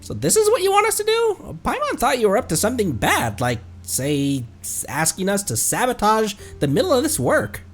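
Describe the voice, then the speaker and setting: A man's voice: high voice, wildly swooping pitch, normal speed, few pauses, voice pushed up, heavily acted. A man voicing a small, childlike, indignant fairy companion from a video game. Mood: suspicious, chirpy.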